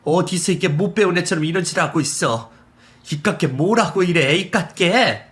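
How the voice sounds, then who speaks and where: A man's voice: a little high, unhurried, fairly bright tone, voice pushed up. A man voicing a firm, caring older mother-in-law who scolds emphatically in a narrated story. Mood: scolding.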